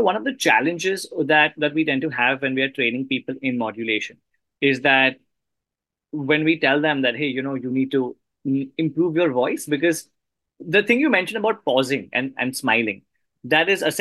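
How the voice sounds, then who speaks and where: A man hosting a conversational interview, explaining things in a halting way with repeated words. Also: medium pitch, expressive, sharp tone, no room sound. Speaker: interview host, communication trainer.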